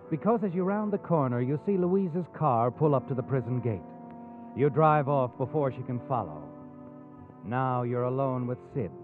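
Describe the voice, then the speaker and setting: A man's voice: mid-range voice, lightly acted. An American man playing a sardonic, all-knowing narrator of a 1940s radio mystery, taunting and dramatic. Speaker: narrator and host. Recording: tinny old radio recording, music behind. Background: music.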